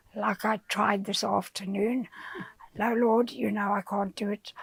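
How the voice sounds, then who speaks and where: Vocal fry runs through this woman's fairly high voice. She speaks at a very slow pace. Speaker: retired teacher. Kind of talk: testimony.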